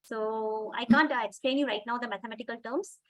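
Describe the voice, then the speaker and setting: A woman's voice: a little high, brisk, low-quality recording. A woman lecturer answering a student's question, explaining and repeating her points.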